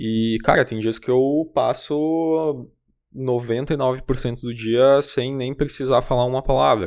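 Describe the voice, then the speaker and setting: A man speaks at a medium pitch with fairly even intonation. His pace is very slow. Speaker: solo podcaster. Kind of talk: personal monologue. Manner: halting, many fillers and repetitions.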